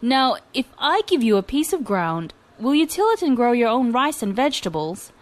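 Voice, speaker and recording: A mild, kindly older governor speaks calmly and gently to a lazy youth. A woman reading a fairy tale puts him on. His words are even and measured. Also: fairly high pitch. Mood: gentle.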